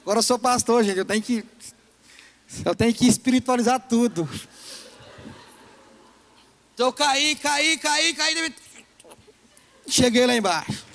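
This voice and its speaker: Male pastor, brazilian accent, very high voice, lively storytelling sermon, humorous. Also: normal speed, gravelly, long pauses. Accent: Brazilian Portuguese. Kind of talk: sermon to young people. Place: church hall.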